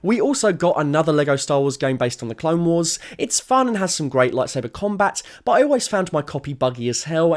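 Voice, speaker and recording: A man narrating a scripted video essay in an opinionated, informal and emphatic way. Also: on the high side.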